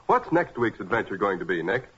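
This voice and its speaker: A man's voice: on the low side, sing-song, fairly quick, fairly bright tone, husky. A man with an American accent announcing on 1940s radio in a polished, formal, declamatory way. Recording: muffled 1940s radio recording with music.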